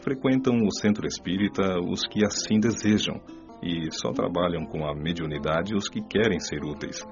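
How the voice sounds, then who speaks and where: A patient male counselor played by an actor explains in a measured, instructive way. His voice is fairly low, and plucked guitar plays clearly behind the slightly dull audio drama recording. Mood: calm teaching. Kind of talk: audiobook radio drama acting.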